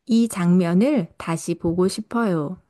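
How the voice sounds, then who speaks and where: Woman teacher reading her podcast script real slow, soft warm tone. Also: lowish voice. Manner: slow, careful delivery for learners. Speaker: Korean language teacher and podcast host. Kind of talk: scripted podcast narration for learners.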